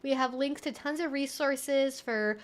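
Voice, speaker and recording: High-voiced woman chatting on a livestream. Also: measured pace. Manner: informal, rambling, thinking aloud. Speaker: livestream host and educator. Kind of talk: casual livestream Q&A chat.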